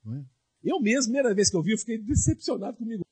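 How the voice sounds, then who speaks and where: Male pastor, sermon delivery; high, husky voice, lively rhetorical questions. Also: very fast.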